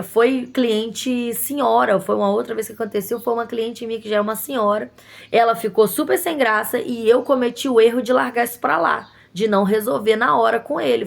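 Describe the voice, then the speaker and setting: A woman's voice: on the high side, vocal fry. A woman, a shop owner casually telling viewers an indignant story, acting out what others said. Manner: indignant, animated retelling with quoted voices.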